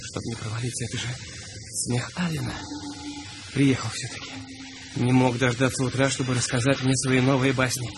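Man playing a worried husband, medium pitch, hesitant, urgent, radio drama, faint noise. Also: little pitch movement, normal speed, lightly acted. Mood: anxious. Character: anxious, polite husband worried about his friend. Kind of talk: radio play acting.

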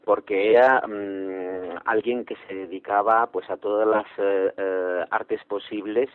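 A man's voice: lowish voice, fairly even intonation, slow, no echo. Man, hesitant, over a tinny phone line. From Spain. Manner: hesitant, many filler sounds, earnest. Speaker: actor interviewed as guest. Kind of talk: phone interview.

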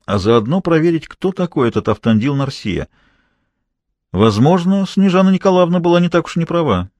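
A man voicing a composed, principled detective speaking in measured tones. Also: a little high, expressive, a little mellow, no room sound, voice pushed up, close to an everyday voice. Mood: calm, wary. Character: calm, principled male detective.

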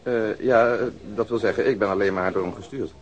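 A man's voice: on the low side, a little fast, close to an everyday voice. An actor playing a methodical, self-satisfied policeman in a Dutch radio drama, speaking in an orderly, matter-of-fact way. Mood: polite, hesitant. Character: methodical male policeman, pleased with himself.

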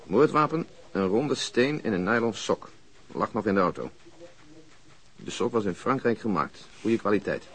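A man's voice: fairly low pitch, animated, normal speed, a bit bright. An actor playing a dry, methodical male police investigator in a radio drama, reporting in a clipped, matter-of-fact way. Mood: dry, factual.

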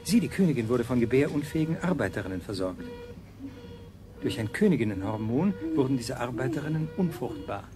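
An actor playing a thoughtful, dutiful member of a colony's ruling caste in a radio play, deliberate and lecturing. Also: male voice, mid-range voice, expressive, lightly acted. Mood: instructive. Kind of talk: 1970s German radio play acting. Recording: music behind the voice.

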